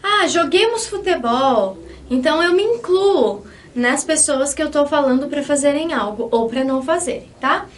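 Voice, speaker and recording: A woman's voice: high-pitched, lively intonation, normal speed, recorded from a distance. A Brazilian woman with a Brazilian Portuguese accent, teaching a Spanish lesson in a patient way and checking in often with her students. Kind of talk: online language lesson.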